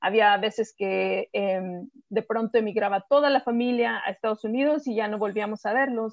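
The speech runs with hardly any pauses and fairly even intonation. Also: woman, fairly high pitch for a woman, moderate pace. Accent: Mexican. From Mexico, Guanajuato. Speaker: nonprofit board member. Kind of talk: interview. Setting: video call. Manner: halting.

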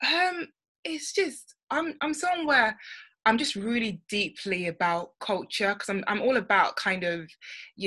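In a very clean recording with a silent background, a woman with a bubbly, bright, sharp tone speaks at a fairly slow pace with very wide pitch swings. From Ghana. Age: 20s. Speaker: pageant titleholder and model. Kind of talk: casual interview chat. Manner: chatty, bubbly, laughs often.

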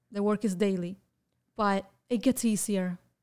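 A woman at a medium pitch with monotone, flat intonation, on a very clean recording with a silent background. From Cuba (Havana). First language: Spanish. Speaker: podcast host, life coach. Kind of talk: personal storytelling monologue.

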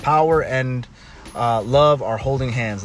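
A man speaks at a moderate pace in an animated, energetic tone with ordinary pitch variation. Music plays in the background. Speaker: podcast host. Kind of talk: casual solo podcast monologue. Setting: outdoors by the ocean. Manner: animated, energetic, conversational; shaky, stuttering.

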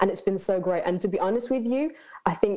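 A woman with a Birmingham accent speaks at a very fast pace with ordinary pitch variation. Noticeable background noise is present. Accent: Birmingham (Brummie). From Birmingham, England. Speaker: youth pastor. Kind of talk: panel discussion.

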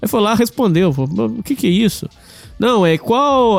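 The man's pitch swings very widely as he talks at a fairly slow pace. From Minas Gerais, Brazil. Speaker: podcaster, literature student. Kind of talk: casual chat.

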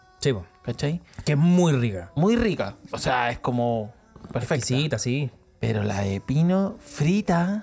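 With music in the background, a man in a Chilean accent speaks at a very slow pace with very wide pitch swings. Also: medium pitch for a man. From Chile, Santiago. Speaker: football fan podcast co-host. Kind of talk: casual chat.

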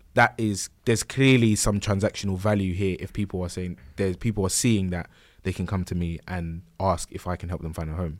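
A man with a London accent, very deep and low in pitch, at a fairly quick pace with fairly even intonation, in a very clean recording against a silent background. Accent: London, multicultural London English. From south London (Brixton). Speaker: property business founder. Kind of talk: casual interview chat.

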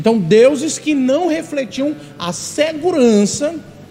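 Noticeable background noise surrounds a man whose pitch swings very widely. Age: 30s. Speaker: pastor. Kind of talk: bible study teaching.

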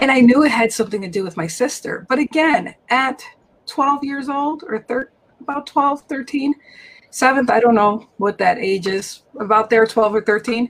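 The tone is animated, with lively intonation. The pace is moderate. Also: woman, high pitch for a woman. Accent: Long Island. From New York. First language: Spanish. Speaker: abuse survivor and show host. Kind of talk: interview. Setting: video call. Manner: rambling, animated.

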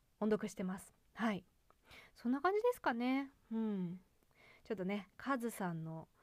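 A woman at a medium pitch with ordinary pitch variation and a moderate pace, on a very clean recording with a silent background. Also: long, frequent pauses, big swings in loudness. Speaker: podcast host. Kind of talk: casual solo talk.

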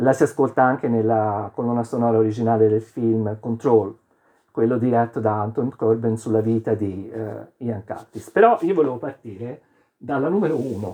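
This man's voice sits at a medium pitch and moves at a moderate pace. His pitch varies in an ordinary way. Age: 50s. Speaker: music presenter at a themed evening. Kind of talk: live talk with slides. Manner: halting.

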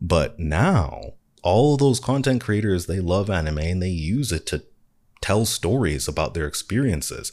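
Soft-spoken and very deep, a man talks at a fairly slow pace with lively intonation over a very clean recording and a silent background. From United States. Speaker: artist and YouTuber. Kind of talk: monologue video essay.

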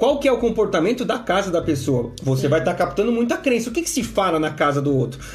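A man talks very fast in a high voice, his pitch swinging very widely. Audible room echo and noticeable background noise surround him. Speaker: relationship coach. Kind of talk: live stream talk. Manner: animated.

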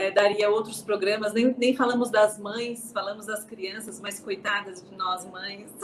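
Speech in a monotone, flat intonation, with noticeable background noise behind it. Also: woman. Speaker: YouTube show host. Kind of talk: interview.

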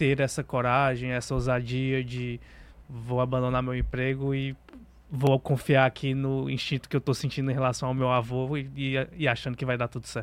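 A man's medium-pitched voice at a moderate pace, flat and monotone. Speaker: podcast host. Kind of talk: casual interview.

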